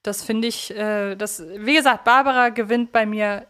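A woman's voice: medium pitch, steady tone, moderate pace, fairly bright tone, clear, resonant tone. A woman co-hosting a podcast, talking in a conversational, thoughtful way and often searching for her words. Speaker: podcast co-host.

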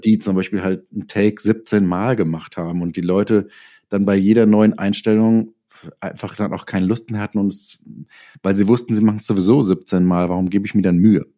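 A man's voice: lowish voice, fairly even intonation, a little fast, mellow. A man recounting anecdotes in a conversational interview, often acting out bits of dialogue. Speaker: interview guest, writer and audio drama producer.

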